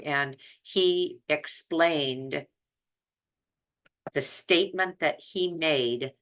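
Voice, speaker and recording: An older woman with a very deep voice for a woman, hosting an informal talk as a health coach. She speaks slowly and deliberately, often pausing in the middle of a phrase. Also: bright, forceful tone. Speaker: health coach and video host.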